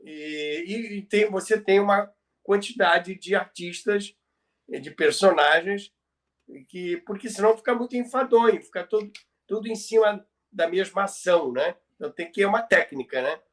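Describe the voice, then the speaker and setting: Explaining the history of radio in a relaxed, lecture-like way, a Brazilian man repeats phrases to drive his points home. He speaks at a moderate pace, his voice high and fairly bright.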